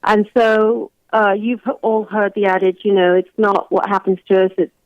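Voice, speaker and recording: A woman from London with an English accent, a doctor giving measured, reflective explanations as a remote radio interview guest. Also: mid-range voice, level tone, clean tone, no room sound. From London, England. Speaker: guest family physician. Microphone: remote call-in line. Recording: dull, lo-fi phone-in line.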